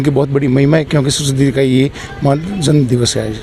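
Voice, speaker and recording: Over music in the background, a man speaks at a moderate pace in a flat monotone. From Rajasthan, Sirohi district. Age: 60s. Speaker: devotee. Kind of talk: interview.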